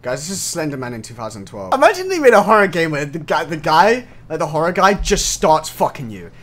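Young male gamer, raised bright tone, jumpy, laughing, swearing. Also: fairly high pitch, sing-song, brisk. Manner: jumpy, laughing, swearing, yelps when startled. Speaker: gaming streamer. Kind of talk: casual gameplay commentary.

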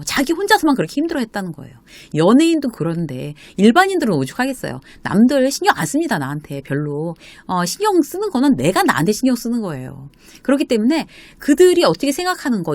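A middle-aged woman talks through workplace advice in a relaxed, chatty lecture, full of fillers and little acted-out quotes. Her pitch moves a lot, swooping up and down as she explains. The sound is close and dry, with no room echo. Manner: chatty, many fillers, acts out quoted dialogue.

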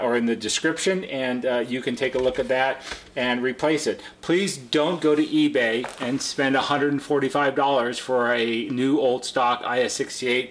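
A man's voice: mid-range voice, a bit bright, a little hiss or hum. A middle-aged man presenting an unscripted how-to demonstration at a workbench, explaining step by step in a plain-spoken way like a repair technician. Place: indoor workshop at a workbench.

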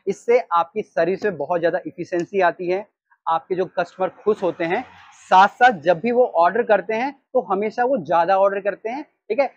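A man in his thirties with an Indian accent, teaching restaurant staff how to take orders in an animated way. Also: sits high, no room sound, lo-fi sound. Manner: animated, gestures while reading from a sheet. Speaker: restaurant trainer. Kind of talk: training talk. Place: storefront of a small takeaway, outdoors. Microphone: lapel mic.

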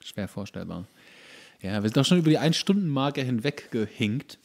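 A man with an average-pitched voice banters as a podcast co-host. His style is casual and conversational, with dry, wry jokes dropped into the chat. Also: very animated, moderate pace, gravelly, darkish tone.

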